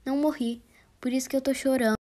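A woman reading out comic chat exchanges, voicing both sides with quick, deadpan delivery. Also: high voice. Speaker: narrator reading chat jokes.

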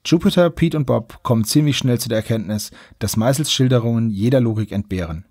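A male podcast host talks in a relaxed, conversational way. His voice is rather husky and mid-pitched, and the sound is dry with hardly any room to it. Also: fairly quick, no echo. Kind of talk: casual podcast chat.

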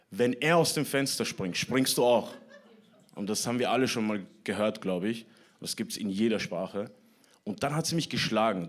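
Young man, stand-up comedian, animated storytelling, slightly low voice, club stage. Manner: animated storytelling, acts out whiny teen voices.

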